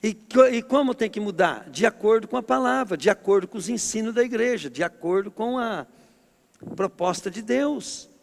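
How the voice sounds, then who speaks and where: Middle-aged Brazilian pastor, forceful and emphatic, pitched high, preaching in a reverberant church hall. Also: male voice, animated, normal speed, creaky. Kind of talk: sermon.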